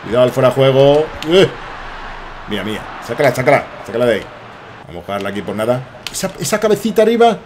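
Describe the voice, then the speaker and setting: A young man with a Spanish accent streaming a soccer game, rambling and excitable, with plenty of swearing. His voice sits at a middling pitch. A faint hiss of noise runs behind him. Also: quick pace. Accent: Spain Spanish. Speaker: gaming streamer. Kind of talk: excited gameplay commentary.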